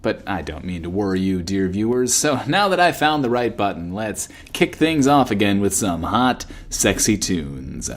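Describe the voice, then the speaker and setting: An actor playing a self-absorbed post-apocalyptic radio host in a comedy, with showy, sardonic, mock-boastful patter. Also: male voice, fairly low pitch, very animated, normal speed, hardly any pauses. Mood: sardonic, mock-concerned. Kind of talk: comedic audio drama radio DJ acting.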